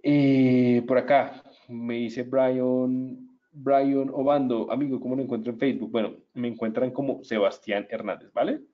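A man's voice: medium pitch, level tone, unhurried, highs cut off. A man presenting a live market analysis webinar, chatty and upbeat, talking straight to his viewers.

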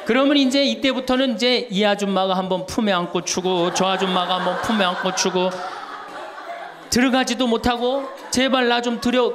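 A middle-aged man, a Catholic priest, giving a humorous talk to an audience and acting out the voices in his stories. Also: sits high. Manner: storytelling, acts out quoted voices, laughs along. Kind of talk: humorous lecture.

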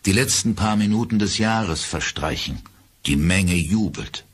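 A man narrating a horror audiobook with a husky voice and dramatic delivery. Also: low voice, a little slow.

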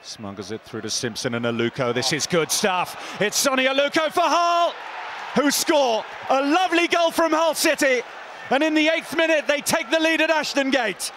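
Excitable male football commentator, high voice, roaring stadium crowd behind. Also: normal speed, a little hiss or hum. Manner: excitable, rising to shouts on goals. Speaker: match commentator.

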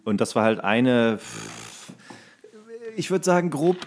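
A man's voice: medium pitch, huge pitch swings, slow, vocal fry, slight background noise. A man co-hosting a podcast in casual chat, telling anecdotes in slangy, colloquial language. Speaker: podcast co-host.

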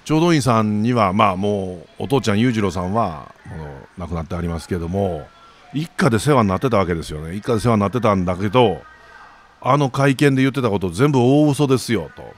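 Kansai guy chatting through the morning papers, lowish voice that swings all over, jokey asides. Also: animated, quick pace. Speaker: commentator. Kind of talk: morning newspaper commentary.

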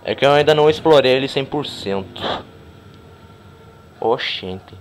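A man giving casual, crude, joking commentary over a game he plays, breaking into excited shouts. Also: medium pitch, unhurried, a little hiss or hum. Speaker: gameplay commentator.

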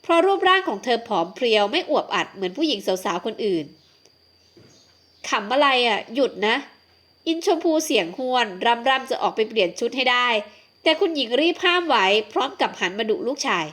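Woman narrator for a romance audiobook; smooth, expressive scripted reading. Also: on the high side, fast talker.

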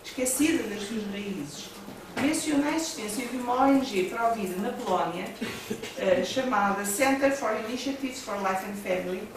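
A woman with a European Portuguese accent giving a measured academic conference talk, partly read from notes, with hesitant asides. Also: on the high side. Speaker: academic speaker. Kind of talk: conference presentation. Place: seminar room with a panel table. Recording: echoey room, distant mic, background noise.

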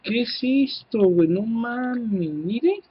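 Excitable Mexican man with a husky voice. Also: very high-pitched, slow pace, highs cut off. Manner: excitable, swears casually, talks to viewers. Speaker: gameplay commentator. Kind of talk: casual let's-play commentary.

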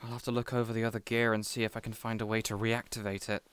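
A man's voice: lowish voice, level tone, fast talker, a bit bright, clear, resonant tone, natural voice. A man playing a considerate, awkward supervillain boss in an audio roleplay, conversational and a bit hesitant. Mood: businesslike. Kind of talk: audio roleplay drama acting.

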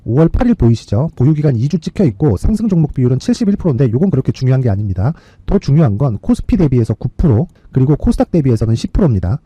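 Dark-voiced, husky man presenting stock commentary. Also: medium pitch, very animated, racing, few pauses, no echo, low-quality recording. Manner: assertive, explanatory, rhetorical questions. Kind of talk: persuasive stock market commentary.

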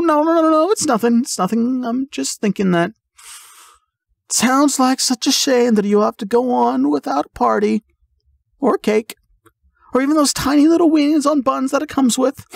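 A man's voice: very high-pitched, measured pace, vocal fry, long pauses, no echo, studio quality, pitched above the performer's own voice, heavily acted. A man voicing an exuberant, affectionate young jock boyfriend in a playful, dramatic roleplay audio addressed to the listener. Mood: excited, flustered. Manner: excitable, playful, theatrically dramatic.

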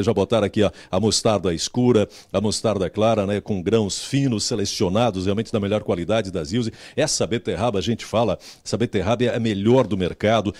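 A man's voice: fairly low pitch, darkish tone, no echo. A middle-aged man with a Brazilian Portuguese accent, reporting live on a TV cooking segment from a home kitchen, with a handheld mic, talking in an upbeat, exclaiming way and often repeating words.

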